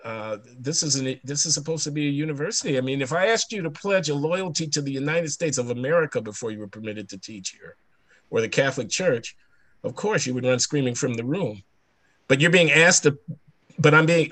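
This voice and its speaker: A man's voice: high voice, pushed and bright, dry recording. A man speaking as a panelist in a discussion, talking emphatically with lots of restarts. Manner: emphatic, ranting, many restarts.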